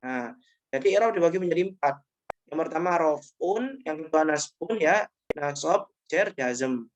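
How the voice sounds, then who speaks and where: A man's voice: fairly high pitch, animated, a little slow. A man teaching grammar in an online class, explaining patiently and repeating each point with short checking tags.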